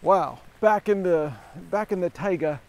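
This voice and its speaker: A middle-aged travel vlogger walks through rainy town streets and into a shop, chatting casually to a handheld camera held at arm's length. His voice sits high with a darkish tone, he speaks a little slowly, and he makes wry asides to viewers over slight background noise.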